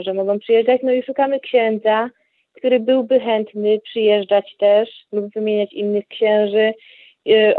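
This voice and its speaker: A woman calling in to a radio show over the phone, making an appeal in a halting way with frequent hesitation sounds. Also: on the high side, no echo. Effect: radio show caller on a phone line. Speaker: caller to a radio program. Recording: tinny dry phone line.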